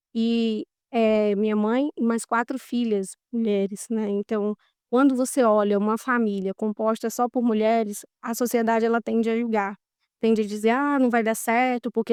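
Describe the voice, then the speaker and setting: Her intonation flat and monotone, a woman with a fairly high pitch talks at a moderate pace, the sound dry and close with no echo over a quiet background. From northern Brazil, Parauapebas, Pará. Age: 30s. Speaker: city councillor. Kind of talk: interview.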